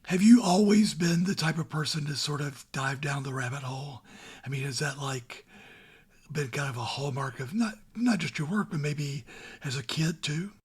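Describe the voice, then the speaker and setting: A man hosting a radio interview, with a very husky, breathy voice set a little higher than most men's. He asks his questions in a relaxed, slightly halting way. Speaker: host.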